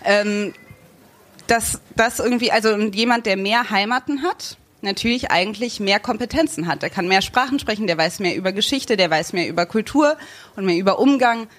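A woman's voice: medium pitch, normal speed, fairly bright tone. A young woman raised bilingual in Germany, chatting casually as co-host and searching for her words with many fillers and restarts. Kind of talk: casual chat.

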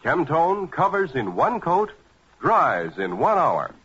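A man's voice: a little high, big pitch swings, takes it slowly. An American man announcing in 1940s radio commercial style, with polished, emphatic salesmanship. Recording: muffled, dull vintage 1940s radio recording.

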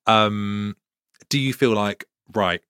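A man's voice: fairly low pitch, fast talker, gravelly, fairly bright tone, dry recording, studio quality. A man hosting a casual interview podcast, talking in an effusive, encouraging way.

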